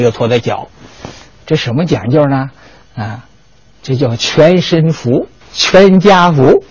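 An older man giving a storytelling history lecture, lively and animated, often asking his listeners rhetorical questions. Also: medium pitch, husky, no echo, lo-fi sound.

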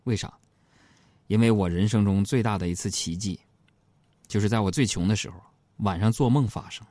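A man's voice: lowish voice, brisk, a little mellow, dry recording. A middle-aged man, hosting a comedic storytelling radio show and chatting straight to his listeners in a jokey way.

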